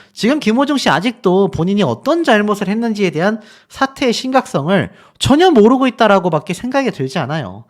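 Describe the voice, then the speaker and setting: Male news commentator, high lively voice, indignant, rhetorical, emphatic.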